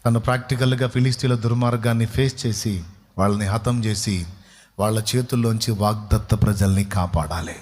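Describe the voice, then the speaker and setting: A man's voice: lowish voice, steady tone, fairly quick, darkish tone, in a large hall. A man preaching a sermon as a pastor, telling stories and asking his listeners questions. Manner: storytelling preacher who asks the listeners rhetorical questions.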